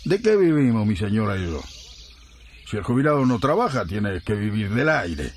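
Low-voiced, complaining old Argentine man, acted. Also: sing-song, normal speed, a little hiss or hum. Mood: aggrieved. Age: older. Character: downcast, aggrieved old pensioner out of work. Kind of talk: radio drama acting.

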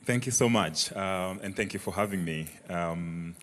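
Malawian-accented young man, low voice. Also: normal speed. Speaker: church member guest. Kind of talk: onstage interview. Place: large church auditorium, on stage. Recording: reverberant church hall.

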